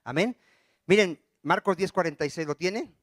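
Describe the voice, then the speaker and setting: A man's voice: high-pitched, dry recording, clean studio sound. A male pastor preaching a sermon. He reads scripture aloud and keeps stopping mid-verse to fire questions at his congregation. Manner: quizzes the congregation with rapid questions.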